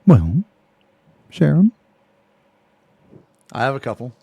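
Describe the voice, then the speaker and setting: A man in his late thirties chatting casually on a live stream, reading viewer messages, laughing often and trailing off with a drawn-out "man". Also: medium pitch, sing-song, creaky, dark tone, slightly rough, no room sound, muffled recording. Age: 30s.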